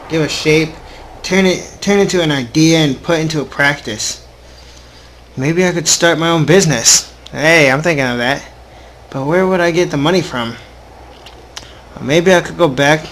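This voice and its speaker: A man's voice: fairly high pitch, a bit bright, a little hiss or hum. A young adult man hosting a casual gaming video, reading story text aloud informally with offhand asides and the occasional stumble.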